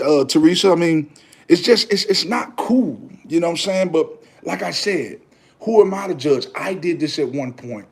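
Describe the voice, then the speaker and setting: A man in his thirties chatting on a livestream, preaching about faith and talking straight to viewers, repeating himself and calling them brother. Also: a little high. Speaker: livestream host. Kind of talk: casual livestream chat.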